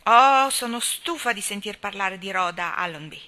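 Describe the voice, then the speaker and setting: A woman's voice: medium pitch, moderate pace, bright, forceful tone, natural voice. A woman reading aloud, voicing a passionate, stubborn young woman who pleads and argues insistently. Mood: argumentative. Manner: impassioned, insistent. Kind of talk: audiobook character reading.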